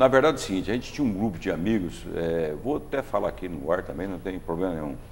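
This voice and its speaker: Fairly low in pitch, a man speaks with lively intonation and hardly any pauses amid audible room echo. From Brazil, Araçatuba (São Paulo state). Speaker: city councillor. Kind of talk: interview. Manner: hesitant, many fillers.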